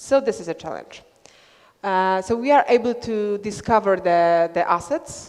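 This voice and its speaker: A woman with a Polish accent speaks at a medium pitch amid noticeable background noise. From Poland. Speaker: software sales presenter. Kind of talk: conference presentation. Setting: seminar with audience. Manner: halting, many fillers.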